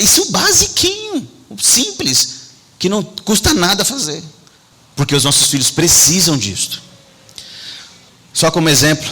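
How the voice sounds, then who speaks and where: A man from Brazil preaching a sermon with lively emphasis, rising high for stress and dropping to a hush. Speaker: pastor. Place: church hall. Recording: hall reverb in a church.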